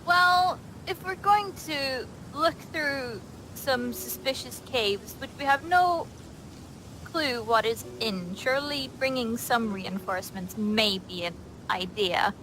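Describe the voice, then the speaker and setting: A woman's voice: a little high, slow, background noise. A woman speaking casually in character as a player in a tabletop roleplay session.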